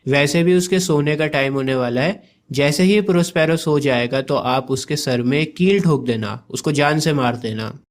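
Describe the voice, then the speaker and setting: A man's voice: fairly high pitch, normal speed, lightly acted. A man voicing vengeful island monster Caliban.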